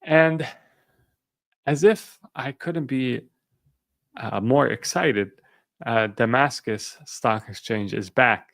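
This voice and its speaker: A man from Syria hosting a live finance stream, giving market commentary and answering viewer questions in an unhurried way, thinking aloud with frequent fillers. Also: mid-range voice, vocal fry, fairly bright tone, no echo. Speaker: finance channel host.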